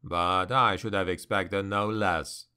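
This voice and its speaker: A man's voice: low-pitched, fairly even intonation, slow, sharp tone, clear, resonant tone, pitched below the performer's own voice, full character voice. A man voicing a grim, ambitious male noble warrior who speaks in a cold, defiant growl.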